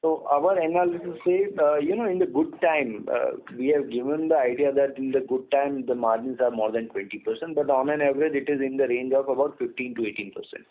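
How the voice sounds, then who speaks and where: Male company executive, Indian accent, mid-pitched, methodical and explanatory, heard through a narrow telephone connection. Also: brisk, hardly any pauses. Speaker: company executive answering analyst questions. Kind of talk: earnings call question-and-answer. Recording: tinny narrowband phone line.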